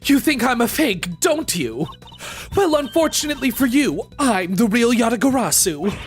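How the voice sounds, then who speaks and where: A streamer voicing a taunting, theatrical female master thief with smug, drawn-out delivery in video game dialogue. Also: medium pitch, big pitch swings, soft background music, voice pushed up, close to an everyday voice.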